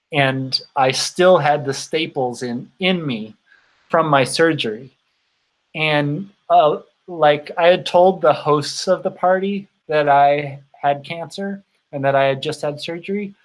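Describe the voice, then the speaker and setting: A man in his thirties chatting casually as host of a livestream, halting and rambling, his voice tired from long talking. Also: a little high, a bit bright, low-quality recording. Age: 30s. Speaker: host of a bicycle touring channel.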